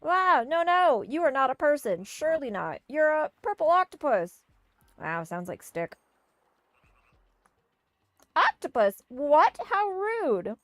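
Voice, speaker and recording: A woman streaming a game and reading its dialogue aloud, slipping playfully into goofy high voices for the characters. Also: very animated, slow, pauses often, no room sound. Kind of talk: casual let's-play with read-aloud character voices.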